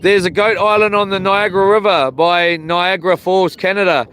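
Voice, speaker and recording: High-voiced Kiwi man chatting outdoors. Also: fairly even intonation, normal speed. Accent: New Zealand. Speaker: fishing livestream host. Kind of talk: casual livestream chat. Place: outdoors on a small boat. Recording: clear outdoor boat and water noise.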